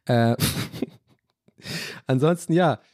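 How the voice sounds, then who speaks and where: Young male podcast host, casual chatty rants, dry close mic, mid pitch. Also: very slow, a little mellow, no echo. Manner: rambling, ranting, swearing casually. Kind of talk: casual solo podcast chat.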